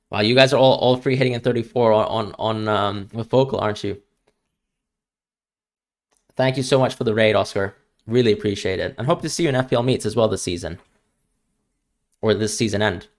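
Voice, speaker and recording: Young male streamer from Hong Kong, international school accent, lowish voice, casual Q&A chatter. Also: normal speed, long pauses. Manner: chatty, repeats words when starting sentences. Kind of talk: live-stream Q&A chat.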